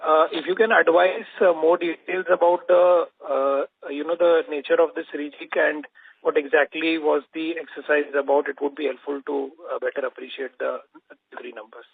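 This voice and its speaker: A man's voice: a little high, flat delivery, normal speed, gravelly, husky, no echo. A man asking polite, formal questions as an analyst on an earnings call. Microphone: phone. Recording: narrow, dry phone line.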